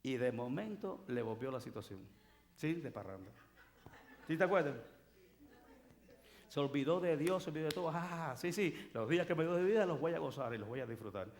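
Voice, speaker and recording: A man's voice: fairly high pitch, a little fast, long pauses. A man, a pastor preaching a sermon in church, telling stories and acting out the people in them. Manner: animated storytelling preacher, acts out dialogue. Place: church sanctuary.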